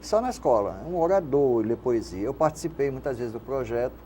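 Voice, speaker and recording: Older Carioca man, mellow voice. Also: medium pitch, sing-song, a little fast. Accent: Carioca Brazilian Portuguese. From Rio de Janeiro, Brazil. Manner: reflective, rambling with frequent "né?" tags. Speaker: guest, radio station manager and poet. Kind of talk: casual interview conversation. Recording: faint background noise.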